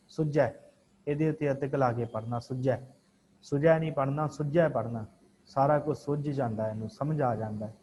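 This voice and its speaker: Man teaching a slow, patient scripture class. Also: medium pitch, a little mellow, a little hiss or hum, rough recording. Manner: slowly intones each verse, then explains it and repeats pronunciation corrections. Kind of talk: online scripture recitation class.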